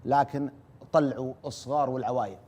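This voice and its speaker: A man retelling a war story as an oral storyteller, brisk and earnest, repeating "he says" as he goes. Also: mid-range voice, a little mellow, slightly rough.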